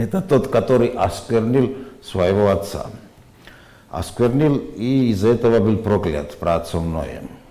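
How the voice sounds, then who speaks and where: Lively intonation marks a man speaking with a Georgian accent. His pace is fairly slow, with long, frequent pauses. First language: Georgian (speaking Russian). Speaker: religious talk show host. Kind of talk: studio discussion on faith and history. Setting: studio. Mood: calm, explanatory. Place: studio.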